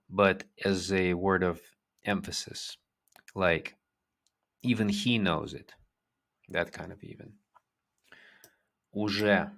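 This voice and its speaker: Slow, low-voiced man teaching vocabulary. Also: a bit bright. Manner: slow, patient, repeats each word twice. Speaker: language teacher. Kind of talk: vocabulary lesson.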